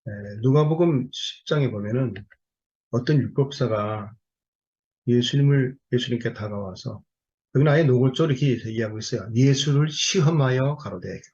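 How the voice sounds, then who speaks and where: A man preaches a sermon in a husky, slightly breathy voice, driving his points home with one rhetorical question after another to the congregation. The recording sounds a little dull and lo-fi. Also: mid-range voice, normal speed, a little mellow.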